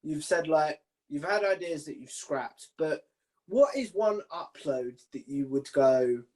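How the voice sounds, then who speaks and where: Higher-voiced man hosting a casual interview. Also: expressive, slow, darkish tone. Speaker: interviewer, video channel host.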